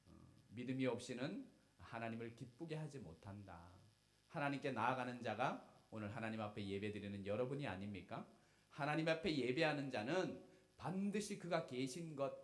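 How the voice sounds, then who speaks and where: A middle-aged Korean pastor preaching a Sunday sermon, filling pauses with "uh" and rising to loud, emphatic calls. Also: male voice, mid-range voice, expressive. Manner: fills pauses with "uh", jokes with the congregation, swells to loud emphatic calls.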